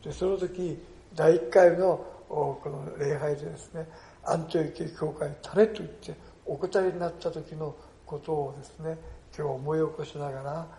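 An older male pastor preaches in a somewhat high but mellow, gravelly voice. His delivery is earnest and storytelling, with small emphatic fillers throughout. The sound carries the echo of a church hall. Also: slight background noise. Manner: earnest storytelling, peppers phrases with "desune". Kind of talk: sermon.

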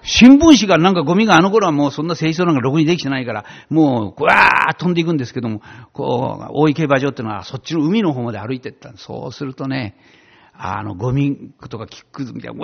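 A man preaching and telling his own testimony in a heartfelt, animated way, on a dull lo-fi recording. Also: mid-range voice, fast talker, gravelly, slightly rough. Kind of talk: personal testimony sermon.

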